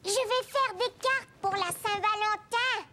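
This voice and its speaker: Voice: very high-pitched, unhurried, heavy background noise. An actor voicing a cheerful, eager little preschool boy in a children's cartoon, with childlike exclamations. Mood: proud, cheerful. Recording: music behind the voice.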